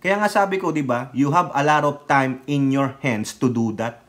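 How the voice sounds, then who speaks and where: A man's voice: medium pitch, normal speed, fairly bright tone. A Filipino man hosting a political vlog, mocking and scolding as he reads the news, mixing in English. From Philippines. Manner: switches between Tagalog and English. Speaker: political vlogger. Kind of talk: ranting commentary on news.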